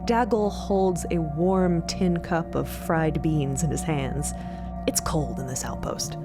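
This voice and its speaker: A woman's voice: low-pitched, slow pace. A woman narrating audio fiction in a storytelling style. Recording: music behind the voice.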